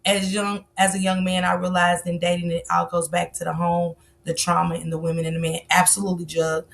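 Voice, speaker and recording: A woman in her 40s hosts a livestream on a livestream mic, chatting candidly and confessionally with viewers and calling them baby. Her voice is lowish, creaky and monotone, and she talks a little fast.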